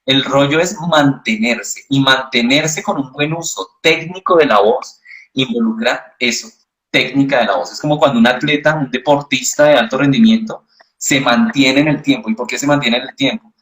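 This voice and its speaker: Brief: male voice expert, mid pitch, calm didactic interview answers. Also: moderate pace. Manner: calm, didactic, uses examples. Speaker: voice specialist guest.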